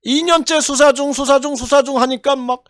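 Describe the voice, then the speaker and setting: An older man with a strikingly high voice rails with indignation, firing off rhetorical questions and hammering repeated phrases. He is recorded close up with a dry, roomless sound. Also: fairly even intonation, normal speed, a bit bright, no echo. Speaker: YouTube commentator. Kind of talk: impassioned political commentary.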